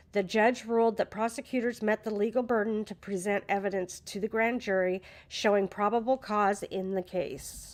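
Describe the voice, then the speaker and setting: In a very clean recording with a silent background, a woman talks at a moderate pace with hardly any pauses, her fairly high pitch and fairly even intonation marking a normal speaking voice. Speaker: true crime livestream host. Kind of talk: reading news articles aloud with commentary. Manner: stumbles and repeats words while reading.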